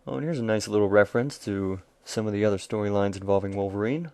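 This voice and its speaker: A man's voice: on the low side, fast, mellow, clean tone, no room sound. A young man casually commentating a video game with dry, joking asides. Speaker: let's-play commentator.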